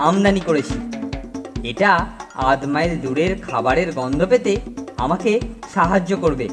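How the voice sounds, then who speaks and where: A scheming, food-mad teenage cartoon bully played by a man with a high voice. He boasts, teases and wheedles his way along. Music plays clearly behind him in a long reverberant space. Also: normal speed, lightly acted. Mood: boastful. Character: scheming, gluttonous teenage boarding-school bully boy. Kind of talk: children's cartoon voice acting.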